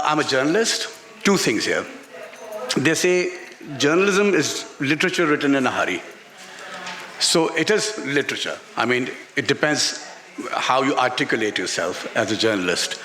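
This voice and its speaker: Pakistani man, halting and emphatic. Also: a little high, very animated, bright, forceful tone. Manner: halting, repeats words and phrases emphatically. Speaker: author and journalist being interviewed. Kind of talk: live book talk, spontaneous answers. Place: literary festival stage in a garden venue.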